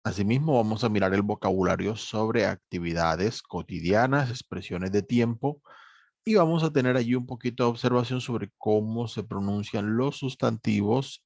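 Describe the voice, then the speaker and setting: A male English teacher, giving a measured online course lecture full of reminders and fillers. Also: on the low side, gravelly, a little mellow, no echo, muffled recording. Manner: measured, repeats reminders, many fillers like "obviamente".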